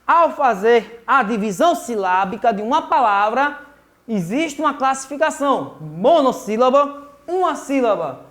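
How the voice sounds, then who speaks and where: A man's voice: very high voice, expressive, moderate pace, fairly bright tone. A man with a Brazilian Portuguese accent teaching a remote grammar lesson to children, patient, repeating words and checking in often. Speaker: primary school teacher.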